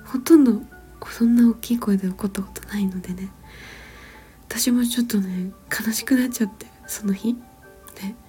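Softly whispering mellow-voiced woman. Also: mid-range voice. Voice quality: soft whisper. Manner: gentle, rambling, with frequent fillers and soft laughs. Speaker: mother. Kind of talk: whispered casual storytelling.

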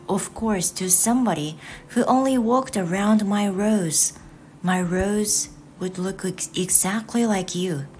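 A woman's voice: medium pitch, slight background noise, lightly acted. A woman reading as an earnest little boy prince. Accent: Japanese.

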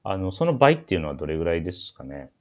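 Low-voiced male radio host. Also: big pitch swings, very fast, slight background noise. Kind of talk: casual talk show chat with event announcements.

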